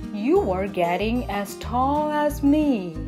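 A woman speaks at a very slow pace. Noticeable background noise runs underneath. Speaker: story time host who reads books aloud in English and Mandarin. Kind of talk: children's picture book read-aloud in English. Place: home room. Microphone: phone near.

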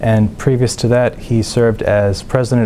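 A man's fairly low voice at a moderate pace, monotone and flat in intonation, over light background noise. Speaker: program moderator. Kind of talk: formal introduction of a guest. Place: studio. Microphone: lapel.

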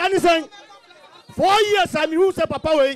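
Crowd noise fills the background as a man with a Ghanaian accent speaks at an extremely high pitch. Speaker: local party chairman. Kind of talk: political debate. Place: street. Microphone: handheld.

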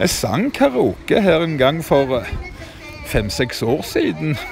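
Over clear background music, a man speaks at a fairly slow pace in a dry sound with no echo. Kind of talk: casual vlog chat. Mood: mocking, opinionated. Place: street. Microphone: phone near.

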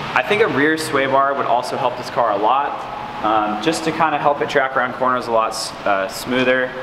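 A man speaks at a moderate pace, and noticeable background noise can be heard. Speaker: car enthusiast vlogger. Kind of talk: casual vlog chat. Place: garage. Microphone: camera far.

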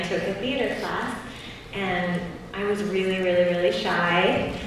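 Strong room echo surrounds a woman with a fairly low pitch. Her intonation is fairly even, with light background noise. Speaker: guest. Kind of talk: interview answer. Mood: shy, amused, laughing. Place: hall. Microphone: pa.

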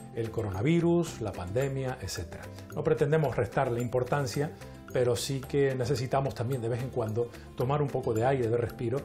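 Against clear background music, a man with a warm tone speaks at a medium pitch and a moderate pace. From Canary Islands. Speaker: TV and radio presenter. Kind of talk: TV show host address to camera. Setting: home. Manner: warm, friendly. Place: home room. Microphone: lapel.

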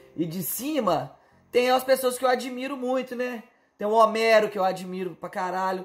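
With faint music in the background, a man talks at a moderate pace in a high pitch with ordinary pitch variation. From Minas Gerais, Brazil (Belo Horizonte); Minas Gerais, Brazil. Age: 20s. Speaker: young entrepreneur; podcast guest. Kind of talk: casual interview. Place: home room.

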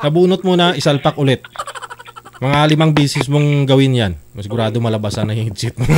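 With lively intonation, a man speaks at a fairly high pitch and a fairly quick pace. Noticeable background noise is present. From Philippines. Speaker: live call-in show host. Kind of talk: casual chat. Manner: animated. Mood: joking, teasing. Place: studio. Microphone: studio mic.

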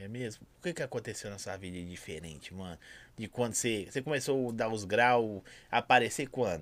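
A man's loudness swings widely as he keeps a moderate pace. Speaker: podcast host. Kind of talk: casual chat. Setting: studio. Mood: relaxed, curious. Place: studio. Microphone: studio mic.

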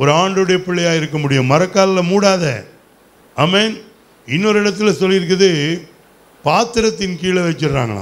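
High-pitched male speech, its pitch moving in an ordinary way. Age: 60s. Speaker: pastor. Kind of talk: sermon. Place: church. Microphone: handheld.

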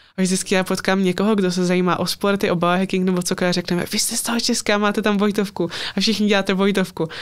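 Against a quiet background, a woman at a medium pitch speaks at a very fast pace with hardly any pauses, in a monotone, flat intonation and at very even loudness. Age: young. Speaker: MMA athlete and coach; coach. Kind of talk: casual chat. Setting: studio. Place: studio. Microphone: studio mic.

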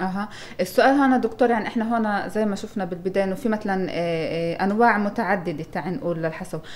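The woman's voice shows ordinary pitch variation. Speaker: TV health show host. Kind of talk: TV interview. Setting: studio. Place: studio. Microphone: studio mic.

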